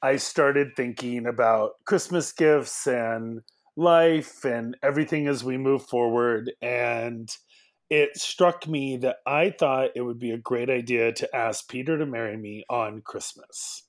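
A man's voice: medium pitch, unhurried. A man telling a personal story casually as a podcast guest.

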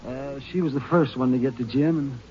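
A man playing an excitable, folksy small-town druggist with a rural American accent in a 1950s radio drama, chatty and emphatic. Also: mid-range voice, brisk, lightly acted. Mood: emphatic recounting. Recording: dull, noisy old radio recording.

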